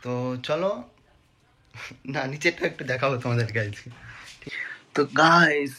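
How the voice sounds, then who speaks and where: A man's voice: a little high, moderate pace, sharp tone. A man chatting casually to viewers in a home vlog, talking straight to the camera. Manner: chatty, addresses viewers directly, repeats "to" as filler. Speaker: vlogger. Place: home, indoors and yard. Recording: noisy phone recording.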